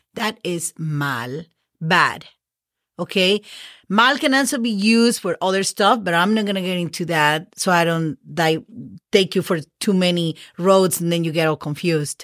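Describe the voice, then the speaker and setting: A woman with a Mexican accent speaks at a moderate pace, her intonation lively. The recording is very clean, with a silent background. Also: fairly low pitch for a woman. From Mexico. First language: Spanish. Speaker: Spanish teacher, podcast host. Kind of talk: lesson, language tutorial. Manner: friendly, upbeat.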